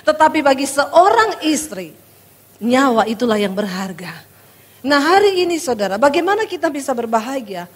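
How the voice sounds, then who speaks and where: High-voiced woman preaching in a reverberant hall. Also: sing-song, normal speed. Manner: addresses the congregation as "saudara", emphatic and dramatic. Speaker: pastor. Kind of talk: sermon with personal testimony.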